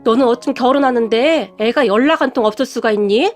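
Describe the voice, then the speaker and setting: Storybook figure: high-pitched sneering aunt, greedy and scheming, read by a woman narrator, faint music under. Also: fairly quick, close to an everyday voice. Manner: sneering, taunting.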